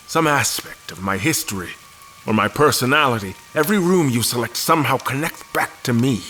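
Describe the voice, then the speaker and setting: An actor playing a weary, defiant space admiral held prisoner, intense and suspicious, narrating and speaking in an audio drama. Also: male voice, lowish voice, fairly bright tone, a little hiss or hum, poor audio. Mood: accusing. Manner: intense, accusatory. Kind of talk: audio drama first-person narration and dialogue.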